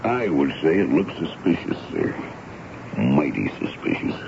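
An actor playing a gruff, folksy army sergeant in a 1970s radio drama, speaking ungrammatically and respectfully to his superior. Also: rumbling low, wildly swooping pitch, measured pace, heavily acted. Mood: suspicious. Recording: dull, noisy old radio broadcast recording.

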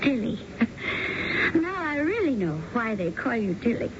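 High-voiced, sharp-tongued shrewd mistress. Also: female voice, measured pace. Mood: probing. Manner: expressive, probing, sardonic. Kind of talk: radio drama acting. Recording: muffled, noisy old radio broadcast.

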